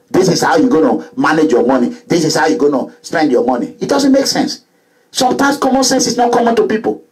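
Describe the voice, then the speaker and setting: A middle-aged man delivering an emphatic, repetitive monologue to his followers, at times rising to loud outbursts. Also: sits high, rough recording. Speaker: online commentator.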